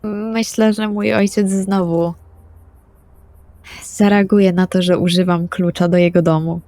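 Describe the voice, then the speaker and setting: A woman's voice: fairly low pitch, flat delivery, unhurried, mellow, no echo. Dry-recorded woman playing a tabletop RPG. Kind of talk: in-character improvised dialogue.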